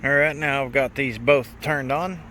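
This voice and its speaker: A man's voice: medium pitch, steady tone, normal speed, heavy background noise. A man giving a casual hands-on gadget review in a folksy, plainspoken way with colloquial grammar. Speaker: product reviewer, mechanic.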